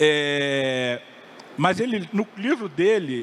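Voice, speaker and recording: The man speaks with a fairly high pitch. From Rio de Janeiro, Brazil. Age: 60s. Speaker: moderator, filmmaker and author. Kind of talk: panel discussion.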